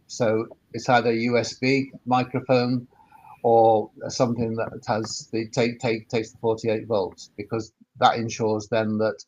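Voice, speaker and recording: A man giving informal technical advice on a webinar panel, halting and often repeating words mid-sentence. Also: fairly low pitch, highs cut off. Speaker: sound engineer and workspace operator on a panel.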